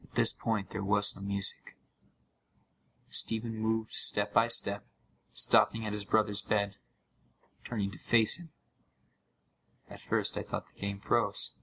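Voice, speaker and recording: Creepypasta audio drama narrator, male actor: haunted gamer, lowish tense voice, dramatic pauses, slightly noisy recording. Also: level tone, gravelly, sharp tone, exaggerated voice. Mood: uneasy dread. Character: haunted male gamer recounting a horror story.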